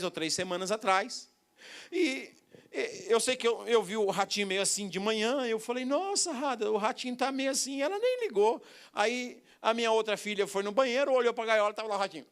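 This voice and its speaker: A man's voice: high voice, a bit bright, smooth. A man with a Brazilian Portuguese accent preaching a sermon, telling a story with quoted voices and bursts of laughter.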